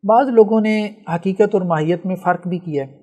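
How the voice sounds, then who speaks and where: A man with a high voice lectures on logic to his class. He moves patiently through each point, posing questions and answering them himself, and often stops to check that the students follow. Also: dark tone. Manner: explains step by step, asks and answers his own questions; often checks with "theek hai". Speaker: teacher of logic.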